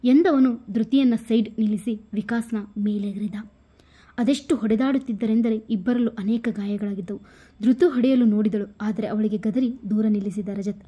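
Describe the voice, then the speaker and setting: A woman with a Kannada accent tells a serialized romance aloud, voicing every character herself. Her voice is husky, dark and mellow, and sits a little high for a woman. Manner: reads every part herself, quotes louder than the narration. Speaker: storyteller. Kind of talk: scripted story narration with dialogue.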